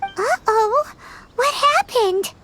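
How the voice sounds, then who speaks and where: A woman voicing a tiny, chirpy floating companion girl who talks in a squeaky voice, in a game. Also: lively intonation, extremely slow, heavily acted. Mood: alarmed. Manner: squeaky, refers to herself in third person. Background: loud game music.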